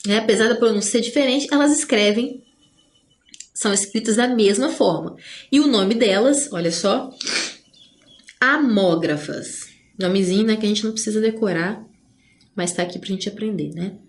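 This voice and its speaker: Chatty woman teaching grammar. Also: medium pitch. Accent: Brazilian Portuguese. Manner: chatty, tags phrases with "né?"; drawls out example words slowly. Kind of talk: online grammar lesson.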